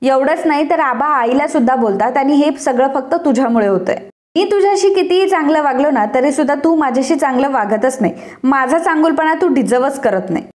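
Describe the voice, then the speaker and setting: A cranky young businessman who scolds in quick bursts, as a woman reading a serial recap puts him on. The voice sits high, plainly the reader's own, told like a storybook retelling. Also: expressive, darkish tone, echoey room. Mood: angry. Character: irritable young male businessman, stern.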